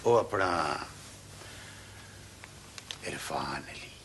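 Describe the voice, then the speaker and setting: An actor with a Pakistani accent playing a scheming, menacing man in a television drama, falsely respectful and softly taunting. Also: low voice, animated, slow, a little hiss or hum, full character voice. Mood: sly. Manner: softly taunting, falsely respectful, often dropping toward a whisper. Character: menacing, scheming man with mock-deferential politeness. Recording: old TV drama soundtrack with music.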